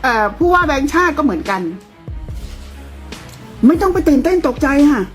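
Blunt, high-voiced woman, coarse and combative. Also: very animated, normal speed, soft background music. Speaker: political commentator. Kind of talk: heated political commentary.

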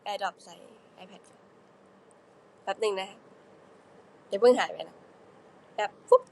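A woman's voice: mid-range voice, measured pace, a little mellow, poor audio. A young woman hosting a casual livestream, chatting playfully with fans and reading their comments. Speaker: idol livestream host.

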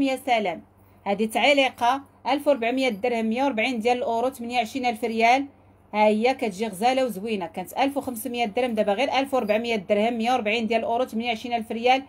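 A woman with a Moroccan accent, pitching jewelry in a repetitive, enthusiastic sales patter. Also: a little mellow. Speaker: jewelry seller.

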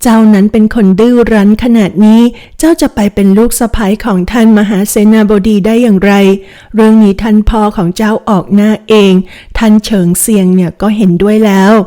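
A woman voicing a gentle but firm noble mother who speaks calmly to her daughter. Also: medium pitch, fairly quick, natural voice.

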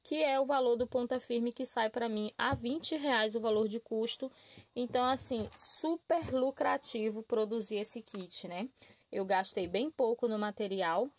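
A woman's voice: a little high, a little slow. A Brazilian woman hosting a crochet channel, talking casually to viewers in a chatty, friendly way with constant "tá?" and "né?" tags. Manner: chatty, warm-hearted, addresses viewers as "gente", frequent "tá?" and "né?" tags. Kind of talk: casual tutorial talk to viewers. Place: small room at a work table. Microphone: camera filming her hands and table from above.

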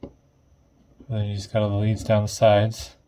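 Low-key guy with a dark mellow voice, kinda deep, casually talking through a teardown, thinking out loud. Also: monotone, moderate pace. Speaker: host of an electronics teardown video. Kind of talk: casual off-the-cuff teardown narration.

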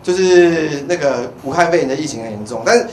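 A man's voice: fairly high pitch, lively intonation, brisk. A young man with a Taiwanese accent doing open-mic stand-up in a rambling, stammering way that repeats phrases. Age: young adult. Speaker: stand-up comedian. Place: small indoor comedy club stage. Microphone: handheld microphone. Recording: roomy live venue, background noise.

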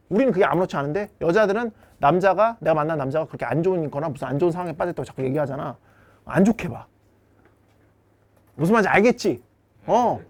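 A man giving a blunt dating lecture, his brash delivery full of swearing as he scolds his students. His voice sits high and swings widely in pitch. He rattles along at a rapid clip. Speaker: dating coach.

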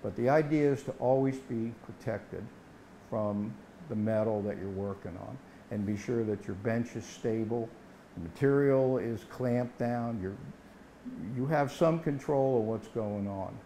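Mellow-voiced older man, instructional. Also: mid-range voice, measured pace, a little hiss or hum, low-quality recording. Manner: plain-spoken, explanatory. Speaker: welding instructor. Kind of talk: instructional demonstration to camera. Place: indoor workshop set, standing before a tool board.

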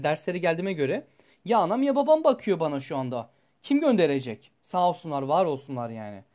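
A young man, a student, telling a story to his viewers in a casual, animated way, blunt and full of swearing, his voice jumping up and down as he goes. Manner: animated, blunt and profane, with sudden jumps in pitch and loudness.

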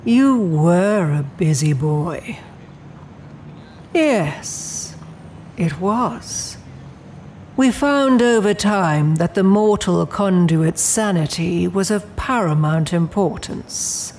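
A woman's voice: on the low side, expressive, very slow, a little mellow, a little hiss or hum. A woman playing a poised, menacing immortal demon in an audio drama, speaking in a genteel, coolly imperious way. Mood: composed, reflective.

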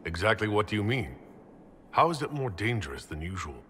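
An actor playing a composed, courteous fantasy game hero with a calm, questioning manner. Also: male voice, moderate pace. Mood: calm, inquiring. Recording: echoey game hall, loud rumble.

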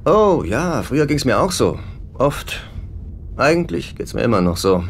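A man's voice: mid-range voice, very animated, measured pace. An actor in a German-dubbed sitcom playing a nervous, self-pitying, broke middle-aged man, hesitant and wry. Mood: wry, awkward. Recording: very noisy TV soundtrack rip.

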